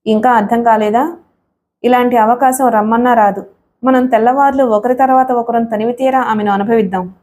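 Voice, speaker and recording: A menacing, arrogant villain man, as a woman reads him in an audio story. The voice is taunting and sneering, mellow in tone and pitched a little high. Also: steady tone, normal speed, slight background noise, natural voice. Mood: angry. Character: menacing young male villain, lustful and arrogant.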